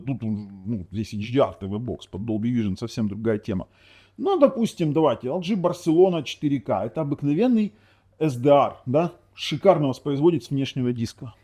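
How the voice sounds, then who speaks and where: A man's voice: mid-range voice, mellow. A man whose first language is Ukrainian, casually demoing a TV box in a rambling way, correcting himself often and dropping sarcastic asides. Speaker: tech reviewer. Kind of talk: casual product demo talk.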